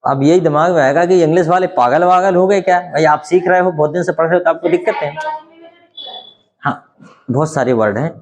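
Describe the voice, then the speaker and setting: Hindi-speaking guy teaching english, slightly high voice, lots of "right?" questions. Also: muffled recording. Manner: explains slowly with many rhetorical questions. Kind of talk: spoken English lesson.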